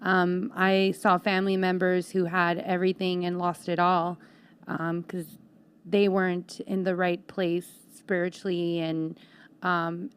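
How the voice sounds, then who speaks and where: A woman guest on a podcast, speaking thoughtfully with small pauses. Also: fairly low pitch, little pitch movement, clean tone. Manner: soft-spoken, thoughtful, with pauses. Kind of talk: casual podcast chat.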